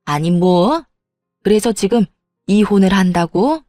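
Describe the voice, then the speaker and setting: A woman's voice: mid-range voice, lively intonation, unhurried, mellow, no room sound, soft background music, lightly acted. A woman voicing a selfish older mother-in-law who dismisses and scolds her son in a storybook reading. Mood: dismissive.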